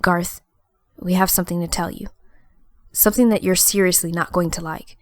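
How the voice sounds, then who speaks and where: A woman's voice: fairly low pitch, steady tone, normal speed, natural voice. A woman playing a serious, careful team messenger in an amateur audio drama. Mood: cautious, apologetic. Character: serious, careful female team messenger breaking bad news.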